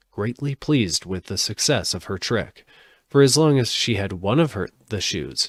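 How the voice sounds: Intonation here is lively. The voice is a natural reading voice.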